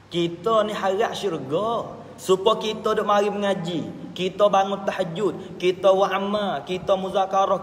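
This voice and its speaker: A man with a Patani Malay accent preaching a sermon as a religious teacher, dropping now and then into low murmured asides. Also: fairly bright tone, a little hiss or hum. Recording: echoey hall with faint ambience.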